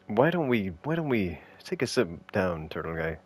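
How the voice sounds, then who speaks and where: A man's voice: on the low side, big pitch swings, normal speed. A man co-hosting a casual podcast, joking and teasing, with exasperated rants. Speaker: podcast co-host.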